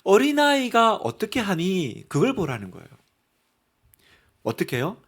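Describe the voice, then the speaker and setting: A man's voice: sits high, huge pitch swings, moderate pace. A pastor preaching to his congregation in church, earnest and full of rhetorical questions. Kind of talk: sermon.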